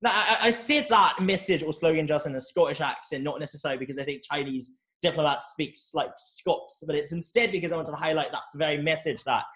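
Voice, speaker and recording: Young guy academic answering interview questions, kinda high voice, careful and hedgy, stumbles and repeats words. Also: a bit bright. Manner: measured, hedging, repeats words when restarting. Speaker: academic guest.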